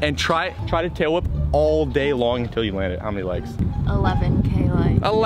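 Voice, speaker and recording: Clear music plays behind a man talking at a moderate pace. The sound is dry, with no echo. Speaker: scooter vlogger. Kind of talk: casual vlog chat. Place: street. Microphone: phone near.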